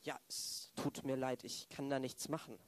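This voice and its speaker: A man's voice: medium pitch, level tone, normal speed, a little hiss or hum, lightly acted. A man acting a curt, matter-of-fact pathologist in an amateur radio play. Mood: curt, resigned. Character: blunt, resigned male pathologist.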